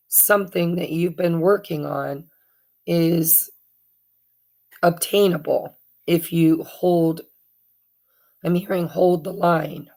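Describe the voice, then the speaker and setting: Hoarse, gravelly woman reading tarot. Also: lowish voice. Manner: chatty and meandering, many fillers and self-corrections. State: hoarse from allergies. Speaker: tarot reader. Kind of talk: casual tarot card reading.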